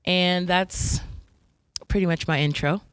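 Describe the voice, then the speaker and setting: A woman social worker introducing herself on a podcast panel in a relaxed, conversational way. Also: lowish voice, takes it slowly, smooth, no echo. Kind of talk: casual panel chat.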